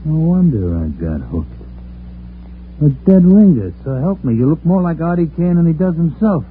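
A man's voice: on the high side, very animated, moderate pace, slight background noise. An actor playing a tough, sarcastic gangster henchman who talks in curt threats and gangland slang, in an old-time radio crime drama. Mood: gruff, sardonic. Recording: tinny, humming old radio recording.

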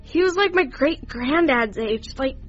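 A sarcastic, slangy teenage girl, played by a young woman, talking back to detectives in a radio drama. Her voice sits high and bright. The recording is a little dull. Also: lively intonation, measured pace, faint music behind. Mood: snarky. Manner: sarcastic, slangy, eye-rolling. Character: flippant underage female witness, sarcastic teen. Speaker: witness being questioned.

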